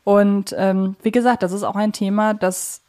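A woman speaks as a podcast co-host in a medium-pitched voice. She explains things conversationally and keeps a chatty, discussion-like flow. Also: steady tone, normal speed, mellow.

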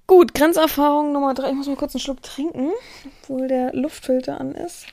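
A woman's voice: sits high, fairly even intonation, fairly quick, mellow, dry recording, studio quality. A woman hosting a podcast as a dominatrix, talking in a rambling, self-correcting monologue. She acts out what people said and sometimes drops to a whisper. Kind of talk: casual spoken monologue. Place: indoor room with an air filter running. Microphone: close studio-style mic, audio only.

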